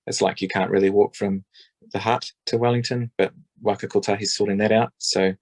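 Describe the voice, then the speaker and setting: A man's voice: fairly low pitch, steady tone, fairly quick, a little mellow, no echo. A man giving a rambling, hesitant spoken submission at a public forum, with many ums and restarts. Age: adult parent.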